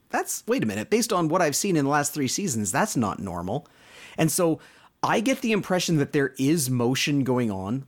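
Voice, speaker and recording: A man with a Canadian accent, chatting casually as a podcast co-host about a show he watched. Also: medium pitch. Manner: animated, mock voices when quoting. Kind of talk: casual chat reviewing a show.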